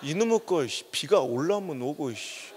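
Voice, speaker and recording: A man's voice: a little high, lively intonation, normal speed, long reverb tail, slight background noise, pitched below the performer's own voice, close to an everyday voice. A man voicing an old Chungcheong grandpa who mutters and curses instead of saying no, in a Chungcheong dialect. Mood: grumbling. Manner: roundabout muttering, cursing under breath. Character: grumbling old Chungcheong grandpa selling watermelons.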